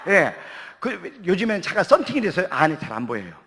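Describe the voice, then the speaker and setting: A male pastor delivering a sermon in a church, his voice pitched high and his words coming quickly. He tells stories with a humorous, lively touch. A long hall reverb trails behind him. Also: husky.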